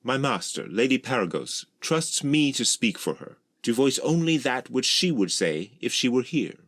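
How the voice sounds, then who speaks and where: A man voicing a small, loyal dragonborn servant with a dignified, measured and very formal manner. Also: mid-range voice, big pitch swings, a bit bright, no echo, pitched above the performer's own voice. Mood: formal pride.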